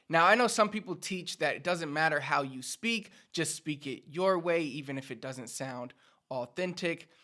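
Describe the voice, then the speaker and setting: A man's voice: fairly high pitch, bright, forceful tone. A Puerto Rican man with a Puerto Rican accent teaching Spanish to viewers in an upbeat, instructive way. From Puerto Rico. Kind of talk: direct-to-camera language lesson.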